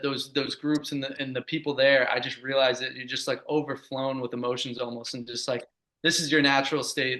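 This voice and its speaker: A man's voice: medium pitch, pushed and bright. A man in his twenties, a podcast guest, answering earnestly in a casual way with many "like" and "just" fillers. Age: 20s.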